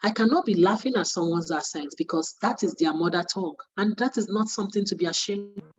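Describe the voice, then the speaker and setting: A woman teaches a class of would-be broadcasters in a husky, breathy voice at an ordinary pitch. She is earnest and circles back to repeat her key points. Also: quick pace, poor audio. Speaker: media training facilitator. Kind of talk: spoken lesson to trainees.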